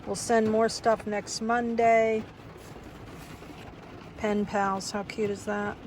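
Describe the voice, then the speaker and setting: A woman's voice: mid-range voice, level tone, slow pace, darkish tone, a little hiss or hum. An older woman in a casual vlog, reminiscing and reading aloud in a wistful, rambling, reflective way. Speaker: vlogger. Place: inside a parked car.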